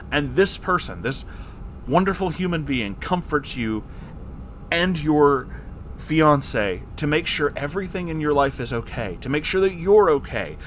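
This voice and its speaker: A man's voice: a little high, fairly bright tone, slight background noise. A man hosting a story reading, giving candid casual commentary in an emphatic, blunt, sweary way. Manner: emphatic, blunt, profane asides. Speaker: host reading and reacting to listener-submitted stories.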